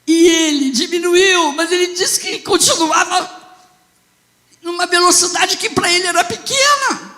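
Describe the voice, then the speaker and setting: A woman with a Brazilian accent, a bishop telling a story in a sermon, fervent and swelling into loud exclamations. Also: very high voice. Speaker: bishop preaching. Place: church sanctuary. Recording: long church reverb.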